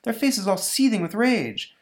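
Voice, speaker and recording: Man as young comic-book heroine, high strained falsetto, excitable, breathless, exclaiming. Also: a little slow, exaggerated voice. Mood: alarmed. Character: alarmed excitable young woman sidekick of a hero.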